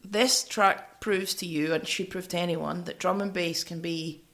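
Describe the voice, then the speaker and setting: A woman's voice: lowish voice, steady tone, unhurried, fairly bright tone. A woman co-hosting a music podcast, chatting casually and giving opinions emphatically in short phrases.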